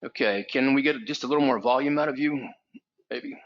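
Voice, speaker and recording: A man's voice: medium pitch, fairly quick. A man hosting a live webinar, speaking hesitantly with frequent ums. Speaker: webinar host, trading instructor. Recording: lo-fi webinar audio.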